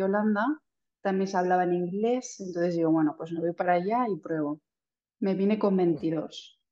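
A plain, everyday voice keeps its intonation fairly even while talking at a fairly quick pace. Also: woman. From Spain, Castellón de la Plana (Valencian region). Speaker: entrepreneur in finance. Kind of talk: interview.

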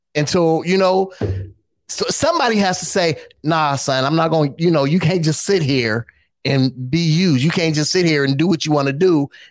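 In a normal speaking voice, a man with an American accent talks at a moderate pace with fairly high pitch, ordinary pitch variation, and very even loudness. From Ohio (Youngstown). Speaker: church musician and podcast co-host. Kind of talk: casual chat.

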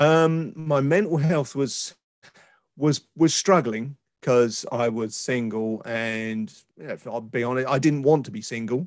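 In a southern English accent, a man speaks at a fairly slow pace with a medium pitch and ordinary pitch variation. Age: 50s. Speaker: paramedic. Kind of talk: interview.

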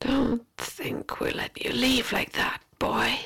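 A put-on character voice, raspy and hissing, fairly high in pitch, at a very slow pace. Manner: hissing, agitated, angry.

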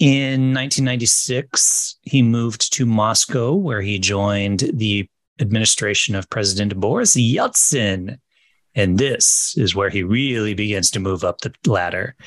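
An ordinary speaking voice with an American accent moves at a fairly slow pace, with ordinary pitch variation over a quiet background. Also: man, medium pitch for a man. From United States. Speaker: podcast co-host. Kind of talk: casual chat.

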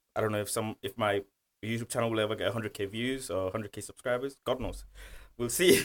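Recorded very cleanly against a silent background, a man with a medium-pitched voice talks very fast in fairly even intonation, the sound dry and close with no echo. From Bangladesh. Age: 20s. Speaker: podcaster. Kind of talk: interview.

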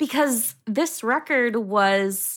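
Very slow and lively in intonation, a woman speaks on a very clean recording with a silent background. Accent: American. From Oak Creek, Wisconsin, near Milwaukee. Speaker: podcast host. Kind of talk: casual chat.

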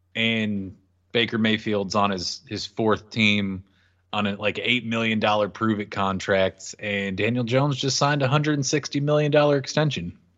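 The man talks in a normal speaking voice at medium pitch, moving at a moderate pace with ordinary pitch variation. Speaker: fantasy football podcast host. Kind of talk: casual chat. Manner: playful.

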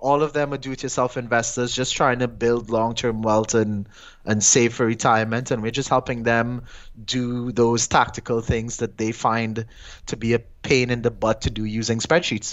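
Medium-pitched male voice at a moderate pace, with monotone, flat intonation. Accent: Trinidadian. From Trinidad and Tobago. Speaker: tech startup founder. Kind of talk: interview.

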